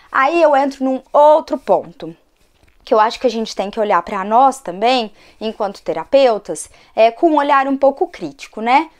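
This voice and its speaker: A woman with a high-sitting, hoarse voice, fighting a cold, gives a conversational educational talk to her channel as an occupational therapist. She frequently uses tag questions.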